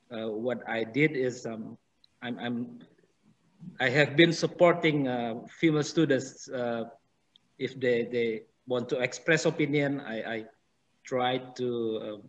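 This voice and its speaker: An Indonesian man in his forties speaks slowly and haltingly on a panel video call, stopping often to restart his sentences. his voice comes through a headset with slightly dull, lo-fi audio. he sounds like a lecturer thinking aloud. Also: medium pitch, steady tone. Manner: hesitant, many restarts and fillers. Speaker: university lecturer. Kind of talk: panel discussion. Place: small room indoors.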